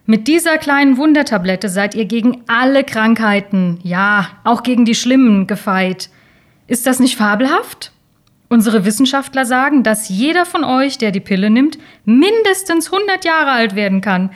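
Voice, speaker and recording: Brief: smarmy, booming male spokesman, syrupy and fake, played by a woman reader. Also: lively intonation, normal speed, close to an everyday voice. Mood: gushing. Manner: loud, syrupy and exaggerated.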